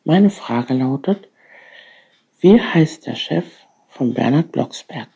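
Husky, slow-talking woman in her forties. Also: very deep voice, expressive, warm tone. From Salzgitter, Germany. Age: 40s. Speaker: listener sending a quiz question. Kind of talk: prepared voice message.

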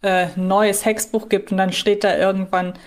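A woman's voice: mid-range voice, flat delivery, moderate pace. A woman co-hosting a podcast in casual discussion, inquisitive and thinking aloud. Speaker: podcast co-host. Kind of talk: casual discussion between fans.

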